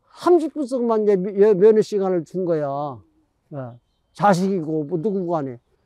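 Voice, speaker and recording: This man has a high pitch, ordinary pitch variation and a dark, mellow tone, heard in a dry, close sound with no echo. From rural South Korea. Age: 70s. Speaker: elderly man telling his life story. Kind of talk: casual life-story interview. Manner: casual, repetitive filler words.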